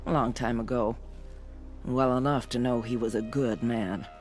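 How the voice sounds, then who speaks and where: Male tribal warrior, actor-voiced: respectful, solemn, kindly, medium pitch, game score underneath. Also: steady tone, normal speed, darkish tone, faint music behind, natural voice. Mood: solemn, grateful. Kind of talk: video game cutscene acting.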